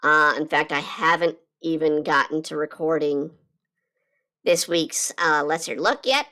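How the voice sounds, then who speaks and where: A woman chatting casually on a live drawing stream, her voice slightly hoarse from being sick, rambling with lots of fillers and restarts. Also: low voice, measured pace, pushed and bright. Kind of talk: casual chat while drawing.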